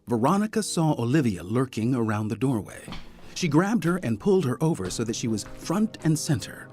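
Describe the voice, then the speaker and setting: A man narrating a scripted audio mystery drama as a polished, deliberate storyteller. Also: medium pitch, sing-song, a little mellow, soft background music, natural voice. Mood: storytelling.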